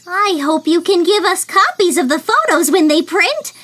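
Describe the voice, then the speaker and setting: Woman as a squeaky sweet young ape girl. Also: sing-song, moderate pace, fairly bright tone, heavily acted. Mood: sweet, grateful. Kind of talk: fan audio drama acting.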